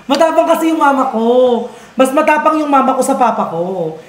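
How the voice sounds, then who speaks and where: A woman co-hosting a casual podcast, chatty and quick to react with slang and short replies. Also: high voice, big pitch swings. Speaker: podcast co-host. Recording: roomy echo, faint background noise.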